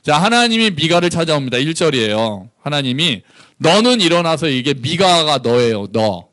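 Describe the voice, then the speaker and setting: A male pastor preaching a sermon at a church service, in a lively, conversational manner, often asking the congregation questions. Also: fairly high pitch, normal speed.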